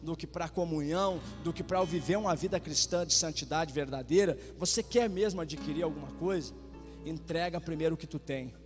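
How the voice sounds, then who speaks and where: A man's voice: a little high, fairly quick. A man in his forties with a Brazilian Portuguese accent, preaching a sermon and telling personal stories with passion, acting out quoted voices. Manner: impassioned, acts out quoted voices. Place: church sanctuary. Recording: reverberant church hall with faint music.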